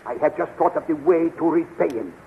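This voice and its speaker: Earnest urgent scientist in old radio serial, gravelly, thin hissy sound. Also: male voice, fairly high pitch, brisk. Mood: conspiratorial. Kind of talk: 1930s radio serial acting. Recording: tinny, hissy 1930s radio recording.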